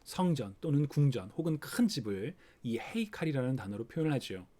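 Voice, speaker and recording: A man preaching a sermon for an online service, explaining a scripture passage gently and acting out the worried thoughts of parents. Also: medium pitch. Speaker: pastor. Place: online worship recording.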